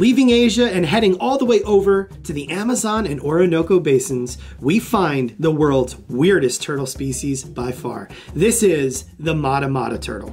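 At a moderate pace, a man talks over faint music in the background. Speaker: presenter. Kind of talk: educational commentary. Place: home room.

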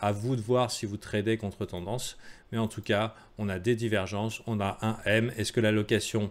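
Speaking at a moderate pace, a man keeps a fairly low pitch in a flat, monotone delivery. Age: 40s. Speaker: crypto trading analyst. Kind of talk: market analysis video. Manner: casual, hesitant with fillers.

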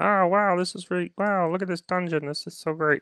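Using a put-on character voice, a man speaks at a high pitch. His pace is fairly quick. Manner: dorky, awestruck, naive.

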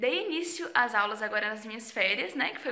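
A woman's voice with lively intonation at a moderate pace, over light background noise. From Brazil, interior of Minas Gerais. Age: 20s. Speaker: architecture student. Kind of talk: testimony. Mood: grateful, friendly. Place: home room. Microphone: phone near.

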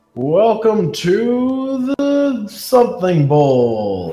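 A man uses a put-on character voice, high in pitch with very wide pitch swings. He speaks very slowly, with a slight echo. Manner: exaggerated announcer delivery.

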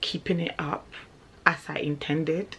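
An unremarkable speaking voice from a woman, fairly low in pitch, with ordinary pitch variation. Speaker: vlogger. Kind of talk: casual vlog chat. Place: home room. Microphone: camera far.

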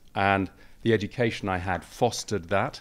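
A man's very deep, low-pitched voice with a British accent. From Britain. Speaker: historian and prize-winning author. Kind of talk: panel discussion. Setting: stage with audience. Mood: reflective, thoughtful. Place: hall. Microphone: handheld.

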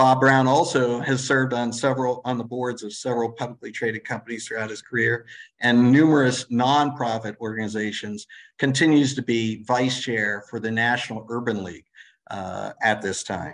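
A man talks at a moderate pace in a quiet background. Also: fairly even intonation. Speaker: corporate diversity executive, interviewer. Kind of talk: fireside chat interview. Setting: video call. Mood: warm, smiling, formal. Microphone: video call.

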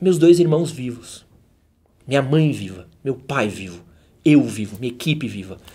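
A man's dark, mellow voice with vocal fry and lively intonation, at a fairly slow pace with long, frequent pauses and big swings in loudness. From Brazil. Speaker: YouTuber; channel host. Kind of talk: rant. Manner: animated. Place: studio.

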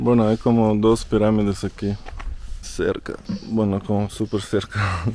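A man's dark, mellow voice in a Russian accent, fairly slow and monotone with flat intonation, in a dry sound with no echo and light background noise. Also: fairly low pitch for a man. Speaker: travel vlogger. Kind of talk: casual travel vlog chat. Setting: outdoors. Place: open country. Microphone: phone near.

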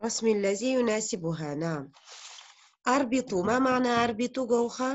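A woman talks at a very slow pace, fairly high in pitch, with lively intonation. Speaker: Arabic teacher. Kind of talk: online language lesson. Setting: video call. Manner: formal, instructive.

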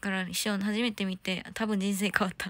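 Speaking in a Korean accent at a fairly quick pace, a woman with a fairly high pitch is heard in a dry sound with no echo. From South Korea. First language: Korean (speaking Japanese). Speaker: idol singer; idol livestreamer. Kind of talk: casual live stream chat. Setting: at home. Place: home room. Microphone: phone near.

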